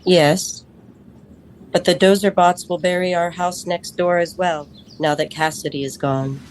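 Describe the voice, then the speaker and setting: An actress voicing a calm, literal-minded female android who served as a household steward, speaking in a measured, matter-of-fact way. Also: on the low side, slight background noise, natural voice, poor audio. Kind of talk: radio drama acting.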